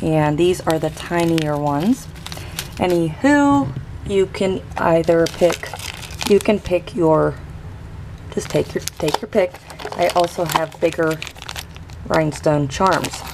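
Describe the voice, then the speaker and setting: The speech moves at a very slow pace, with long, frequent pauses. Noticeable background noise is present. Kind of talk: casual product walkthrough.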